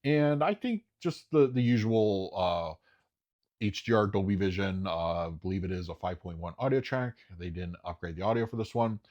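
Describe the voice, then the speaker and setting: A man casually talking through upcoming disc releases in a chatty, enthusiastic way, often pausing with "uh". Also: deep voice, expressive, darkish tone. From United States. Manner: chatty, enthusiastic, frequent uh fillers. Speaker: home video reviewer. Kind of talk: casual solo commentary.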